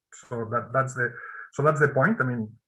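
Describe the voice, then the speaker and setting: Speaking at a fairly quick pace, a man has a fairly high pitch and a bright, sharp tone. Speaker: mathematics lecturer. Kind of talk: online lecture. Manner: fast; halting, many fillers and repetitions.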